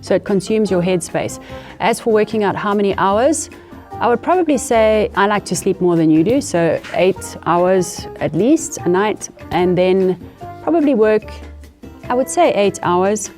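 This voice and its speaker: A woman's voice: mid-range voice, lively intonation, a little slow, darkish tone, faint music behind. A middle-aged woman with a South African accent, chatting casually as a guest on a game show. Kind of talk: casual chat.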